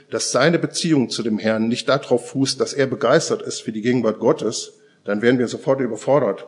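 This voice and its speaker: A man preaching a sermon in a church service, earnest and deliberate, often sinking to a hushed near-murmur. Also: mid-range voice.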